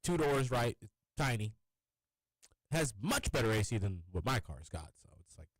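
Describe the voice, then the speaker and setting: A man's voice: mid-range voice, very animated, normal speed, dry recording. A young man co-hosting a sports radio show, sounding congested and talking in an easygoing, rambling way. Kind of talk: casual sports radio chat. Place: radio studio. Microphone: studio microphone.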